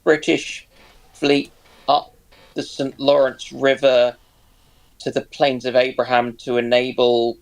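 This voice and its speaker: A man's voice: medium pitch, little pitch movement, slow pace, pauses often, poor audio. A man chatting casually about history in a hesitant, informal way, feeling his way through each sentence.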